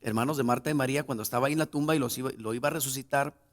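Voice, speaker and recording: A male pastor preaching a sermon, reading scripture aloud and swelling into loud, emphatic passages as he addresses the congregation. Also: medium pitch, very fast. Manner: addresses the congregation directly as brothers.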